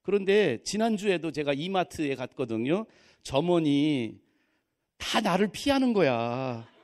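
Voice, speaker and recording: A man's voice: on the high side, big pitch swings, measured pace. A man in his fifties from Korea, preaching a sermon in a humorous, conversational way and acting out other people's voices. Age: 50s. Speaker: pastor. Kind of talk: sermon storytelling. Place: church.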